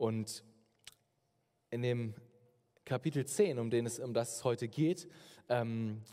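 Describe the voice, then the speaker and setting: This man has a medium-pitched voice with a dark, mellow tone. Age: 30s. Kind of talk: sermon. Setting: stage in front of a seated audience.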